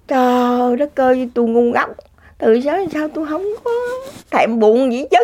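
A woman's voice: on the high side, darkish tone. A woman tells her personal story in casual spoken testimony. She talks in an exclamatory way and laughs often. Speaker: speaker sharing a personal story.

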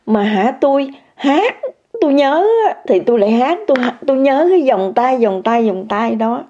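A woman's voice: a little high, lively intonation, moderate pace, warm tone. An older woman giving an emphatic personal testimony to viewers, repeating words over and over and speaking straight to her listeners. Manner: repetitive, emphatic, addresses listeners directly. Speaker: meditation practitioner sharing an experience. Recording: muffled lo-fi recording.

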